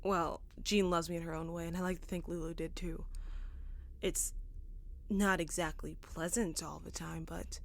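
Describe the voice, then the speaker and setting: A woman's voice: fairly low pitch, little pitch movement, normal speed, creaky. A woman playing a weary, sardonic, foul-mouthed space adventurer in naturalistic audio drama dialogue, wry and a little hesitant. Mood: rueful, confiding.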